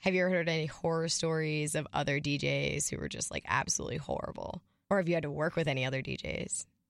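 Over a very clean recording with a silent background, a woman talks at a very fast pace in a very deep, low pitch with vocal fry and fairly even intonation. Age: 20s. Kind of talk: casual chat.

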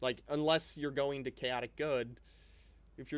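In a Chicago accent, a man speaks at a medium pitch. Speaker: podcast co-host, tabletop gamer. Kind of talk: casual chat.

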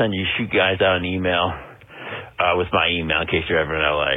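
A man with an unremarkable speaking voice at a fairly quick pace, with ordinary pitch variation. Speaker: caller. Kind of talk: casual chat. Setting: phone call.

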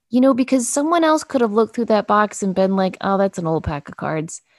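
A woman speaks in an ordinary speaking voice, fairly high in pitch with lively intonation. The recording is very clean and dry, close with no echo and a silent background. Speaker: podcast host. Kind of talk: interview.

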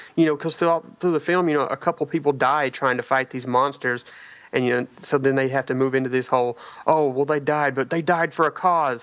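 In a plain, everyday voice, a man with an American accent talks at a fairly quick pace with a fairly high pitch and fairly even intonation. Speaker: horror film podcast co-host. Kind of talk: casual chat. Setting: remote call.

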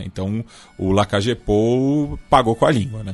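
With music in the background, a man talks at a fairly slow pace in a medium pitch with ordinary pitch variation. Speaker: podcast host. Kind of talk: news commentary.

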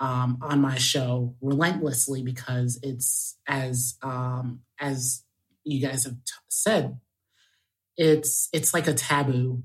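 The speaker has an American accent and a somewhat breathy voice. Delivery is very slow with a monotone, flat intonation. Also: man.

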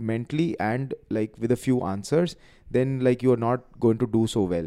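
In a dry, close recording with no echo and a quiet background, a man with an Indian accent speaks at a medium pitch in a dark, mellow tone. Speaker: startup founder and CEO. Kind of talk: podcast interview. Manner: fast talker.

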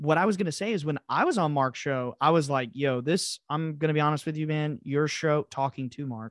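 This is an unremarkable speaking voice at a moderate pace. The sound is dry and close with no echo, over a quiet background. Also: man. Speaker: podcast host. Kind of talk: casual chat.

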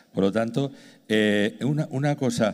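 In a very clean recording with a silent background, a man speaks fairly slowly at a fairly low pitch. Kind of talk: sermon. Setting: church with congregation. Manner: halting, full of fillers and restarts, conversational teaching tone.

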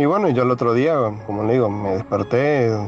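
A man at medium pitch and moderate pace, with ordinary pitch variation, over noticeable background noise. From Argentina, Corrientes countryside. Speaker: listener sending a story. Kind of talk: recorded personal story.

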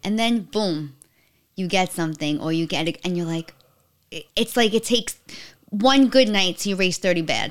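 With a New York accent, the speaker talks at a moderate pace with ordinary pitch variation and long, frequent pauses. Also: woman, medium pitch for a woman. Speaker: stand-up comedian. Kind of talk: casual chat. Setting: host's home.

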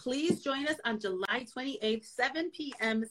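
A woman projects a raised voice, high in pitch. Her intonation is lively and her tone bright and sharp. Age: 40s. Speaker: therapist and podcast co-host. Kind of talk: casual chat.

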